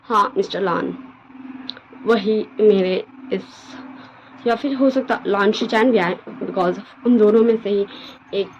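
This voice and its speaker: A woman voicing a soft-spoken young man who reassures his friend. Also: mid-range voice, slow, highs cut off, slight background noise, close to an everyday voice. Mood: gentle.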